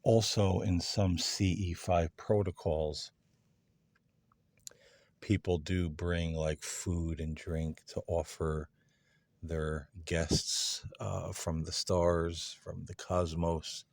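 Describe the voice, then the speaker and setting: A man hosting a paranormal session, asking earnest, polite questions in halting, tentative phrases with pauses. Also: low voice, flat delivery, gravelly, a little mellow, dry recording. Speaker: paranormal investigator hosting his own video series. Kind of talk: earnest spoken questions to unseen beings.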